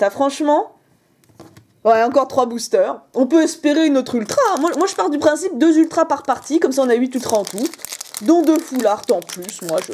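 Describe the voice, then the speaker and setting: A young woman hosting a casual, excited card-opening video, chatty and jokey. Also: fairly high pitch. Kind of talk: excited casual unboxing commentary.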